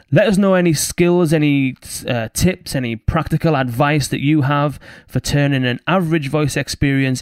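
A man hosts a podcast and welcomes his guest. He talks quickly and with upbeat emphasis, his voice recorded dry and close, with no room sound. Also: medium pitch, no echo. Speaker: podcast host. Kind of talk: podcast hosting and interviewing.

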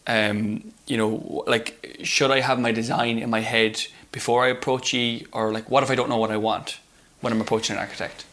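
A man's voice: lowish voice, a bit bright. A man with an Irish accent chats casually as he interviews a guest.

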